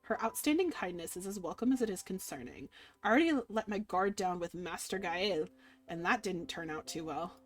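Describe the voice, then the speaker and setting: A woman's voice: fairly low pitch, animated, brisk. A woman reading visual novel narration aloud as a streamer, telling it expressively and gushing over the characters. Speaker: video game streamer doing a playthrough. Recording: music behind the voice. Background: game music.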